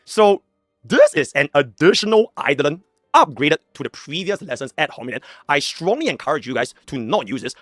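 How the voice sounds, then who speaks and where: A man's voice: a little high, very animated, fairly quick, a bit bright, no echo, clean studio sound, soft background music. A man from Singapore, a video creator, delivering a lecture-like video essay.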